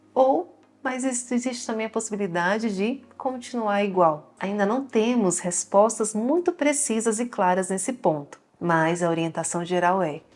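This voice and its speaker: Heard on a very clean recording with a silent background, a woman speaks at a fairly slow pace with ordinary pitch variation in a plain, everyday voice. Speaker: ear, nose and throat doctor. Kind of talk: medical explainer talk to camera.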